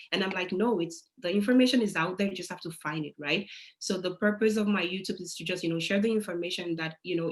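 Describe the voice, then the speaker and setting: A woman's voice: lowish voice, poor audio. A young woman from Nigeria, talking chattily and eagerly as a guest speaker over a video call. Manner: chatty, enthusiastic, uses "like" often. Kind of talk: casual presentation.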